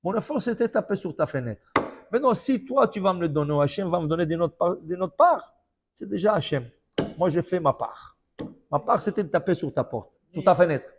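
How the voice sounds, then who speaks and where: A humble old sage, as a rabbi voices him while telling a story, explains himself calmly and plainly. The voice sits high for a man and keeps a steady, even tone. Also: fairly quick, background noise.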